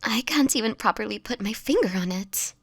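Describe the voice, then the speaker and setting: A woman playing a sickly, gentle homeless woman turning vampire in an intimate audio roleplay, with a whispery, hesitant delivery. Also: fairly high pitch, animated, dry recording. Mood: pained, haunted. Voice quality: breathy, whispery. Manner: halting, hesitant, fragile delivery.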